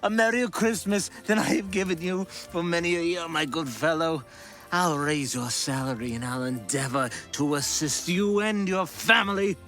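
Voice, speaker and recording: An actor playing Scrooge, a reformed old miser, effusive and theatrical, in a radio play. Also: male voice, fairly high pitch, moderate pace, faint music behind. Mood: joyful. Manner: effusive, theatrical, swinging between hushed and exuberant. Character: Scrooge, reformed old miser, elderly gentleman, giddily kind.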